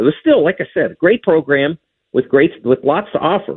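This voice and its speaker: A man speaks at a moderate pace. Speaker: college basketball analyst and sportswriter. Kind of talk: phone interview, sports analysis.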